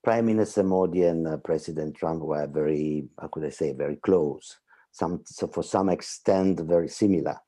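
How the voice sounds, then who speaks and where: A man from Italy moderates with a very low, dark voice. He hesitates and searches for words. The sound is dry and close. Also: normal speed, dry recording.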